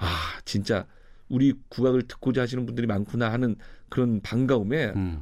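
In a very clean recording with a silent background, a man speaks at a moderate pace with a dark, mellow tone and medium pitch. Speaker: Korean traditional singer. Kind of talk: radio interview. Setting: radio studio.

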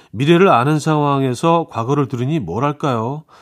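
On a very clean recording with a silent background, a man with an ordinary speaking voice talks at a moderate pace in a fairly high pitch with ordinary pitch variation. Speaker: radio host. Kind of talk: radio show with listener messages and interview. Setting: studio. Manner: calm, relaxed.

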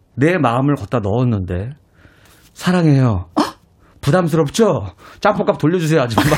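The somewhat breathy voice swings very widely in pitch at very even loudness, with long, frequent pauses, on a very clean recording with a silent background. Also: man, fairly high pitch for a man, moderate pace. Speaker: comedian. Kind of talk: casual chat. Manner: playful.

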